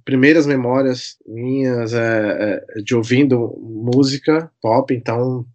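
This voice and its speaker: A man in his thirties with a São Paulo Brazilian Portuguese accent appears as a podcast guest, telling stories in a casual, playful way. His medium-pitched voice is steady and slow with a darkish tone, and the audio sounds dull.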